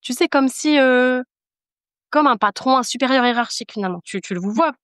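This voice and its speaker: Higher-voiced, earnest woman giving personal testimony. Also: expressive, fairly quick, fairly bright tone, dry recording, clean studio sound. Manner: earnest and emphatic, repeating phrases for emphasis. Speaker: podcast guest. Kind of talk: personal testimony in casual conversation.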